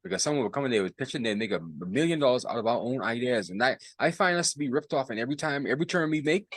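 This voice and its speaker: A man's voice: medium pitch, expressive, racing, no echo. A man from the Caribbean hosting an interview, emphatic and repeating his key points. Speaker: host, interviewer. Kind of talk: interview conversation.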